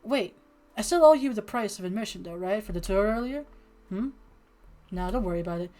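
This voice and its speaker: A cagey old con man from a story game, read by a woman. The lines are offhand game dialogue at a middle pitch, from someone who runs a tourist trap and keeps his secrets. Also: lively intonation, fairly quick, dark tone, natural voice. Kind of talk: reading game dialogue aloud.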